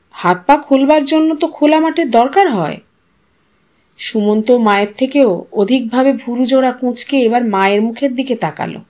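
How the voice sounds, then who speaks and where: A woman's voice: a little high, darkish tone. A woman reading a literary short story aloud as a scripted audio narration.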